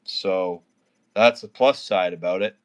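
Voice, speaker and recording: In a low, unhurried voice, a man from Canada in his thirties talks casually with viewers on a livestream, slurring drunkenly, rambling, and cursing constantly.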